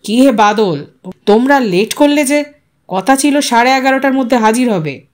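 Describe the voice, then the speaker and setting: A woman's voice: a little high, expressive, normal speed, lightly acted. A woman voicing a self-important, bossy male local politician in a story, speaking with pompous authority.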